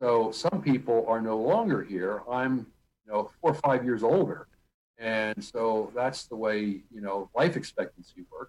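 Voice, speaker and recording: A man talks at a fairly slow pace in a normal speaking voice. His medium pitch has ordinary variation. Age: 60s. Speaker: financial planner. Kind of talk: interview. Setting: video call.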